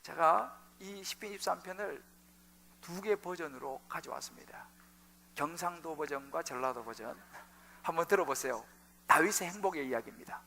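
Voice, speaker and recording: A man's voice: on the high side, moderate pace, creaky, bright, forceful tone, slight background noise. A male pastor preaching a sermon emphatically, addressing the congregation with rhetorical questions.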